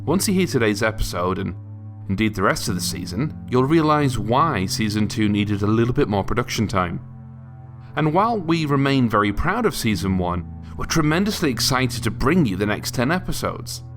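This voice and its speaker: A man reading a scripted podcast introduction as host, in a measured, polite manner. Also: mid-range voice, very animated, a bit bright. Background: guitar music.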